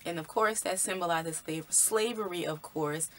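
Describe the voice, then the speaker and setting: A woman's voice: lowish voice, normal speed. A woman vlogger casually explaining the messages of a film, in a conversational way with many fillers.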